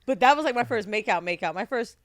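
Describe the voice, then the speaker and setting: Podcast co-host woman, lively swinging voice, dry close sound, playful. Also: fairly high pitch, no room sound. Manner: animated, playful, quick interjections. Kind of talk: casual chat.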